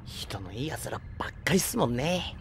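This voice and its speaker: A man's voice: medium pitch, big pitch swings, fairly quick, vocal fry, fairly bright tone, slight background noise. Easygoing junior ship crewman. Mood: reluctant. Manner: casual junior-style politeness. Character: deferential, easygoing junior spaceship crew member. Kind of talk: Japanese audio drama acting.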